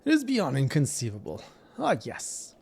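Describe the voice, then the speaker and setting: A man's voice: fairly high pitch, huge pitch swings, normal speed, creaky, darkish tone, breathy edge, full character voice. A man reading aloud the lines of a courteous noble knight commander, with formal, old-fashioned phrasing.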